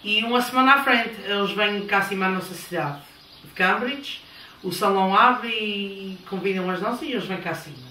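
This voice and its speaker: A woman in her thirties from Canada, answering interview questions with eager, halting replies in a living room. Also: mid-range voice, sharp tone. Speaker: interview guest. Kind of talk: casual TV interview. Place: living room of a house, indoors. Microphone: handheld microphone held by interviewer. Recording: roomy, distant, faint background noise.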